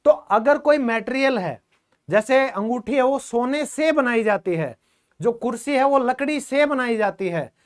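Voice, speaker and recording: A male teacher giving an online grammar class, chatty and constantly checking with his students through quick questions. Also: very high-pitched, lively intonation.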